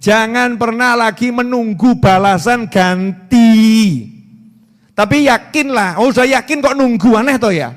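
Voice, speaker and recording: A man in his forties with a Javanese accent, preaching an animated sermon and repeating words for emphasis. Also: sits high. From Solo, Indonesia. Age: 40s. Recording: reverberant hall.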